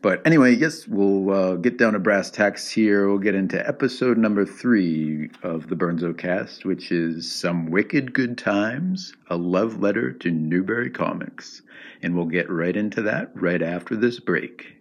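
A man with a deep voice hosting a casual solo podcast, rambling with ums and restarts, recorded on an iPod's built-in microphone at home. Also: unhurried. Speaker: podcast host. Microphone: iPod built-in microphone.

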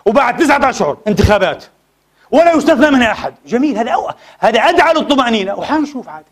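Man, Friday sermon in a mosque, very high-pitched, breakneck pace, impassioned, rhetorical questions. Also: sing-song, rapid-fire. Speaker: preacher.

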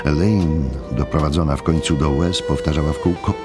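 Super deep guy narrating an audiobook, lots of gravel in the voice, music behind him. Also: fairly even intonation, a little fast.

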